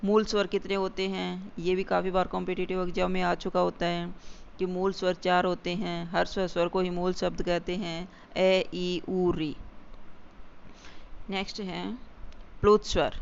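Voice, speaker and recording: A grammar teacher explaining definitions step by step, repeating key points and slowing down for examples. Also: mid-range voice, flat delivery, vocal fry. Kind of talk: exam-prep grammar lesson. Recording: dull lo-fi recording with faint hiss.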